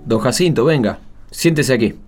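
An actor playing a friendly, respectful young church volunteer in a radio play. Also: male voice, medium pitch, moderate pace, darkish tone, faint music behind, close to an everyday voice.

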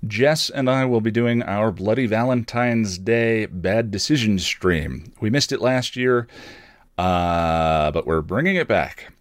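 Low-voiced man, dry close podcast sound. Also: dry recording. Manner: rambling, self-deprecating, dryly joking. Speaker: podcast host and streamer. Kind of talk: casual podcast announcements.

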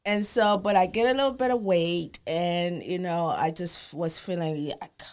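Haitian-accented woman, low voice. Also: normal speed. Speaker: guest, magazine publisher. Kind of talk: casual podcast interview.

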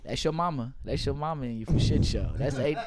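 A man's voice: medium pitch, animated, fairly quick, heavy background noise. A man in his late twenties hosting a casual podcast chat, talking loosely with slang and frequent laughter. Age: 20s. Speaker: podcast host. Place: Houston area. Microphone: studio mic.

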